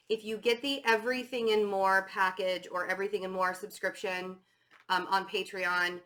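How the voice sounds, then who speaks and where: A woman with an ordinary mid-range voice, audibly hoarse and congested. She talks through a tarot reading casually, filling pauses with "um" and restarting her sentences as she goes. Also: mid-range voice, fairly bright tone. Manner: chatty, many fillers and restarts. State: hoarse and stuffy. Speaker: tarot reader.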